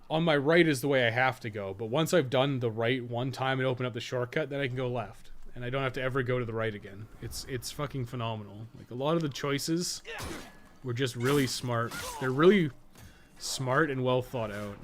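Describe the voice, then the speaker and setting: A man with a mid-range voice, a podcast co-host who also writes game guides, gives casual live commentary while he plays. He rambles as he thinks out loud and swears offhandedly, with a little background noise audible.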